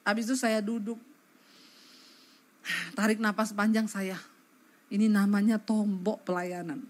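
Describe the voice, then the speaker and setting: A woman pastor preaching a sermon, telling a personal story in an animated, colloquial way and often addressing the congregation directly. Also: mid-range voice, a little slow.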